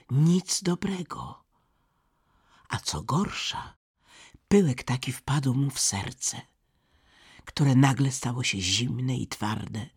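Slow, breathy fairy-tale storyteller. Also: mid-range voice. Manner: slow, expressive, drops to near-whispers.

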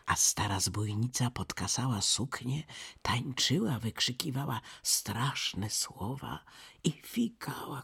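A storyteller reading a fairy tale slowly and expressively, often dropping to a half whisper. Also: mid-range voice, creaky, a bit bright, husky.

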